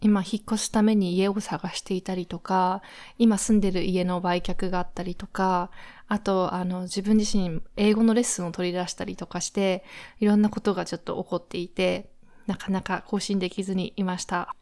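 A woman from Japan hosting her own podcast, chatting casually and warmly with frequent fillers. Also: mid-range voice, little pitch movement, normal speed. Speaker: podcast host. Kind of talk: casual solo podcast chat.

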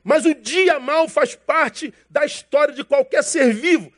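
A man's voice: extremely high pitch, a little slow, a bit bright. A man preaching a sermon as a pastor. He talks in a casual, slangy way, calls his listeners brother, and acts out dialogue from his stories.

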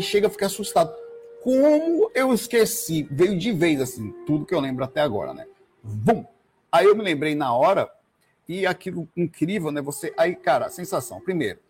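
A middle-aged man casually telling an emotional personal story in an animated way, with many fillers. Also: fairly high pitch, a little hiss or hum. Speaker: vlogger sharing a spiritual experience.

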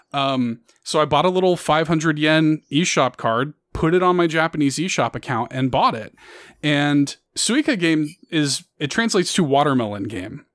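A man's voice: a little high, a bit bright, no echo, clean studio sound. A man hosting a podcast, chatting casually and rambling with lots of fillers. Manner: rambling, many fillers, upbeat. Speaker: podcast host.

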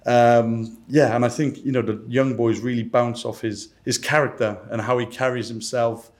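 A man from Cardiff speaks with a Welsh accent at a medium pitch. He is a football fan in casual conversation, answering as a podcast guest. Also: level tone, normal speed. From Cardiff, Wales. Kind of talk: casual chat.

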